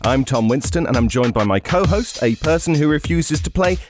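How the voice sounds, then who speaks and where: A man's voice: a little high, lively intonation, a little fast, over music, lightly acted. A man with a British accent playing a teasing retro gaming podcast co-host in casual, bantering style.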